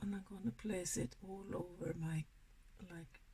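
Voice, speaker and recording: A woman's voice: lowish voice, fairly even intonation, unhurried, husky. A Swedish woman in her sixties with a Swedish accent, chatting casually and a little ramblingly while doing a makeup tutorial. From Sweden. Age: 60s. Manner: chatty, rambling, soft-spoken. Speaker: beauty vlogger.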